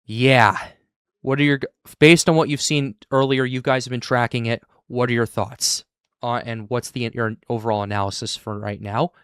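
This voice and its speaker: Man, weather stream host, smooth clear voice, dry close sound, stumbling restarts. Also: mid-range voice, fairly even intonation, a bit bright, no echo. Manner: halting, many restarts. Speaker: livestream host. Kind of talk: live weather stream chat.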